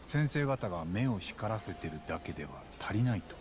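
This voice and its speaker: Streetwise male detective, very low voice, lively intonation, blunt, probing, game drama, music behind. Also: a little fast. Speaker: private detective. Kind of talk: scripted video game drama acting. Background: background music.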